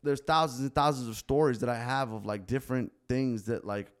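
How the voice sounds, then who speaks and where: A man's voice: mid-range voice, fairly even intonation, fairly quick, smooth. A native Spanish speaker from South Florida, a man in his thirties, talks through a story in a loose, rambling way. He leans on slang, restarts his sentences and drops "bro" at the end of most lines, with a mid-range voice. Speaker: podcast guest. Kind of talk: casual storytelling in a podcast conversation.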